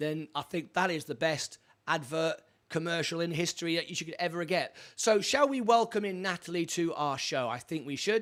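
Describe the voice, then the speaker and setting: A man speaks with an English accent. His pitch is high and his intonation lively. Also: moderate pace. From England. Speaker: talk show host. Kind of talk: online chat show interview.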